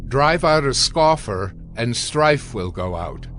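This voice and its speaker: A man giving a solemn, deliberate dramatized Bible reading as a voice of wisdom. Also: mid-range voice, expressive, fairly bright tone, slight background noise. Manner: measured, solemn, deliberate delivery. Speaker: scripture narrator. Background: music.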